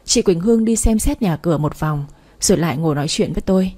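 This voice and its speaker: A woman narrating a first-person story in an even, storytelling manner. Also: on the low side, quick pace, slightly rough.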